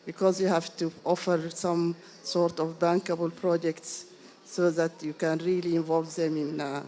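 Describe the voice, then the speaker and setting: A woman's voice: on the low side, little pitch movement, a little slow, mellow. A woman from Sudan asking a panel several questions from the floor, hesitant and full of fillers and restarts. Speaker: audience member asking questions.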